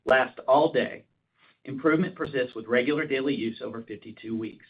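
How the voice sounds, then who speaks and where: A man, a senior executive, reading a scripted commercial update for an earnings call in a formal, businesslike way. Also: medium pitch. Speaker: chief operating officer. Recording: narrowband phone conference line.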